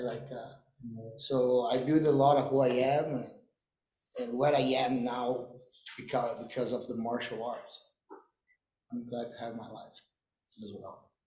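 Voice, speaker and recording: In a room with audible echo, a man with a Brazilian Portuguese accent speaks fairly slowly at a medium pitch and with fairly even intonation. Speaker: martial arts gym owner, applicant. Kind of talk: public testimony. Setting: city planning commission meeting. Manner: halting.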